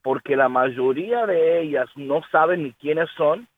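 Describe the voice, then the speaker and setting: Earnest pastor on a tinny line. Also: male voice, on the high side, expressive, unhurried. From United States. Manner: earnest, repeats words, mixes in English. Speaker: pastor and guest. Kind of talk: faith interview, reflective.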